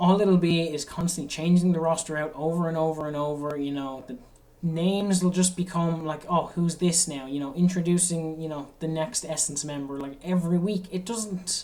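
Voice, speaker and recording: The speech moves at a moderate pace. There are hardly any pauses. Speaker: gaming YouTuber. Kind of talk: monologue vlog. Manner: halting, repeats words.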